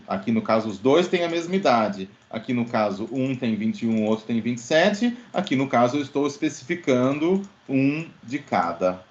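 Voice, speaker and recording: A man teaching an online English class, explaining grammar and quizzing students by name. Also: medium pitch. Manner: lively, questioning, addresses students by name. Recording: dull lo-fi audio.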